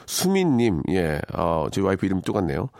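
A man in his forties hosting a radio show, reading listener messages and chatting in a joking, animated way. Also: deep voice, moderate pace, dry recording, studio quality. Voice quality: animated, acts out voices in quotes. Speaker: radio host.

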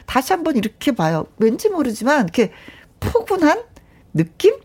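A woman's voice: high voice, huge pitch swings, normal speed, darkish tone, husky. A middle-aged woman hosting a radio show, chatting casually, laughing often and reading out listener messages. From parents from Gyeongsang. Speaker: radio host.

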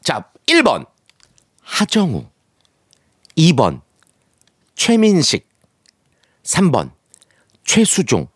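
A man's voice: on the high side, huge pitch swings, extremely slow, pauses often, husky, no room sound, studio quality. A man co-hosting a radio quiz, reading out questions in the style of a game show host. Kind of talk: animated game show quizmaster.

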